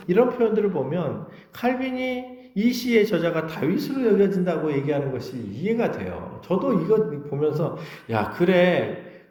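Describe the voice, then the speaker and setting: A man preaching in an echoey church space, his fairly high voice rising and falling widely. He pleads in the first person as he voices his prayers aloud. The delivery is earnest and impassioned. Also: a little mellow. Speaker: pastor. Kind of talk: sermon.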